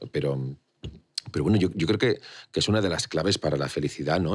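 Against a quiet background, a man speaks in a calm tone with vocal fry. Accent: Castilian. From Andalusia, Spain. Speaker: actor. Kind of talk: interview answer. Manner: calm, hesitant with repetitions. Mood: calm, reflective. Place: studio. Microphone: studio mic.

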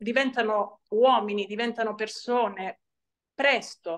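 A woman speaks at a fairly slow pace with ordinary pitch variation over a quiet background. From Italy. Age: 60s. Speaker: economist; guest. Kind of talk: interview. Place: home room. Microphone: video call.

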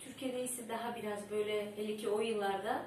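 A woman is heard with audible room echo and light background noise. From Germany, Cologne. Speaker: professional footballer. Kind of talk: interview. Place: studio.

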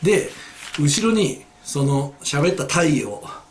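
There is light background noise as a man talks at a fairly high pitch. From Kanagawa, Japan. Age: 50s. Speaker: YouTuber, amateur jogger; YouTuber. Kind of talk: casual vlog monologue. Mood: earnest, critical. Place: home room. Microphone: camera far.

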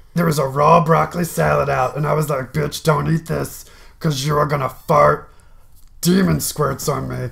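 A man shouts in a put-on character voice that is raspy and fairly high. His pace is moderate. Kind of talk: comic overacting. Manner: aggressive, shouting, profane.

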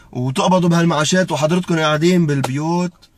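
The man's voice has a dry sound with no echo. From southern Lebanon, Hasbaya district; southern Lebanon. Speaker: Lebanese expatriate activist. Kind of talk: political video message. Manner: impassioned. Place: car. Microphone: phone near.

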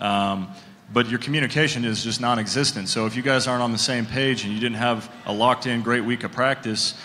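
With an American accent and a plain, everyday voice, a man talks at a fairly quick pace. His intonation stays fairly even over light background noise. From US Northwest. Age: 30s. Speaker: professional football quarterback; panelist. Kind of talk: panel discussion. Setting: stage with audience. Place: stage. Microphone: handheld.

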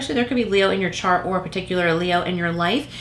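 With light background noise behind her, a woman talks at a fairly quick pace with ordinary pitch variation. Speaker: tarot card reader. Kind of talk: tarot reading commentary. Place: home room.

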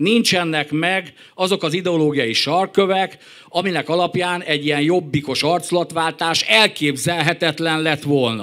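A man's fairly high, bright, sharp voice, fairly slow, with ordinary pitch variation against a quiet background. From Hungary. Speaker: nationalist group leader; panel discussant. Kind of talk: panel discussion. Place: tent. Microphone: handheld.

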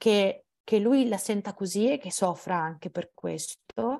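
At a very slow pace, a woman speaks in a dark, mellow tone with ordinary pitch variation against a quiet background. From Italy. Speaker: photographer; guest. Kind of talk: live online talk to an audience. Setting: video call. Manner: animated, emotional. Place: home room. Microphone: earbuds.

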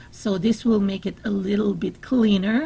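Over noticeable background noise, a woman talks at a fairly slow pace with a medium pitch. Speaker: craft YouTuber. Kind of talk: tutorial.

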